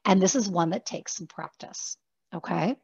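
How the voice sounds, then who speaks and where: A woman coach leads an online workshop, talking quickly and acting out her examples. Her voice is gravelly and a little husky, and her words spring up in pitch when she mimics someone. The dull, dry sound of a video call frames her talk. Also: no room sound. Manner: fast-talking, animated, acts out examples. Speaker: executive coach.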